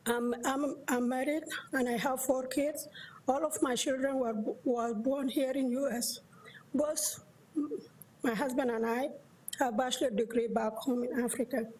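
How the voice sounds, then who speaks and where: A woman from South Sudan, a mother of four, reading a prepared letter aloud during public comment, haltingly and with restarts. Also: high-pitched, darkish tone, a little hiss or hum, poor audio. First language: a South Sudanese language. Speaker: parent speaking at public comment.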